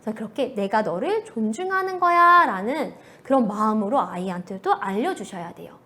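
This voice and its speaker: Lively high-voiced woman teaching parents. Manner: animated, acts out parents and children in quoted lines. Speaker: early childhood education lecturer. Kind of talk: live online lecture answering viewer questions.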